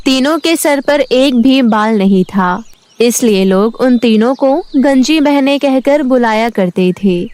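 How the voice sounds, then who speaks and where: Lady telling a bedtime story, slow, high voice, scripted narration, dry recording. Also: a little mellow, no room sound.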